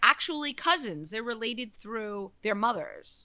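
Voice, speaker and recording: Against a silent background in a very clean recording, a woman speaks with an unremarkable speaking voice. Her pitch is fairly high, her intonation lively, and her pace moderate. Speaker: podcast host.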